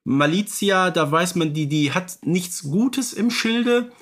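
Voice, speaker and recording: A man's voice: high voice, lively intonation, slow, a bit bright. A man co-hosting a casual fan podcast, thinking aloud, hedging his points and turning questions back to his partner. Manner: thoughtful, hedging with "ich sag mal", asks his co-host questions. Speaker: podcast co-host.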